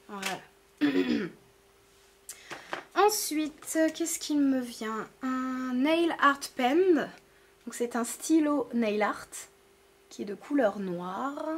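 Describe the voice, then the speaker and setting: A woman's voice: a little high, a little hiss or hum. A woman chatting casually to camera about beauty products, hesitant and full of fillers. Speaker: beauty vlogger. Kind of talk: casual product haul talk.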